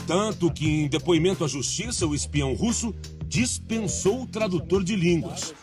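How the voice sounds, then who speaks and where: A man with a Brazilian Portuguese accent, a TV news reporter giving scripted narration in a measured, emphatic delivery. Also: sits high, over music.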